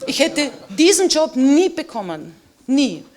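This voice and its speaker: A middle-aged woman whose first language is Slovene speaks on a panel as a historian. Her voice sits fairly high, and she talks emphatically, mixing personal stories into her argument. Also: big pitch swings, measured pace, a little mellow. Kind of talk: panel discussion statement.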